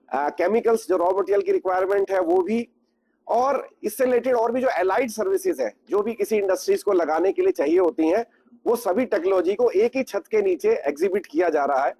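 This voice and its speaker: High-voiced man explaining at a press briefing. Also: mellow. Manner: explanatory, with fillers. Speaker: exhibition organizer at a press briefing. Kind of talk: press statement.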